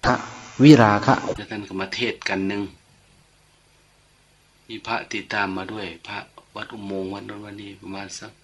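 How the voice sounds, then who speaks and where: A man's voice: lowish voice, little pitch movement, normal speed, long pauses. An older man, a monk, giving an informal, chatty sermon full of anecdotes and light humor. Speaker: monk giving a dharma talk.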